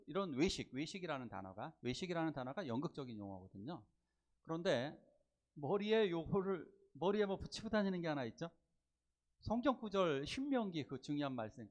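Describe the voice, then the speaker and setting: A man preaching a Sunday sermon as pastor, acting out quoted remarks and questioning his congregation. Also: medium pitch. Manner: animated, acts out quoted voices, asks the congregation questions. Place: church sanctuary.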